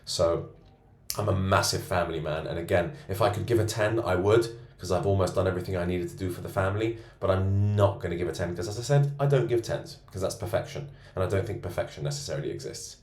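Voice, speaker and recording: A man coaching men on self-improvement, rating himself out loud in a boastful, self-assured monologue from a co-working space. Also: low voice, fast talker. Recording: roomy echo.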